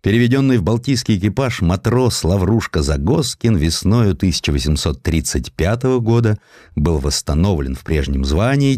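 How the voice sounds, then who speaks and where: A man narrating a historical story in an expressive, theatrical literary style. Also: deep voice, no room sound, clean studio sound. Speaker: narrator, audiobook reader.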